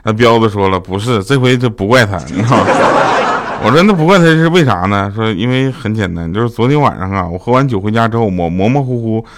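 A man's voice: fast talker, background noise. A man, hosting a comic podcast and telling jokes, acting out the people in his stories. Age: 30s. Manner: joking, acts out quoted relatives with jumps in pitch. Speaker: podcast host. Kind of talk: comic storytelling monologue.

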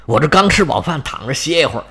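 A man's voice: on the high side, sing-song, fast, pushed and bright, husky, heavily acted. A man voicing a huge, boastful male lion monster that talks lazily and scolds.

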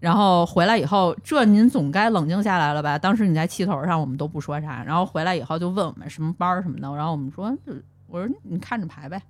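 Middle-aged woman guest, quick and bouncy, voice a bit low. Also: dry recording. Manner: lively storytelling, laughs while quoting. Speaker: podcast guest. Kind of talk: casual chat.

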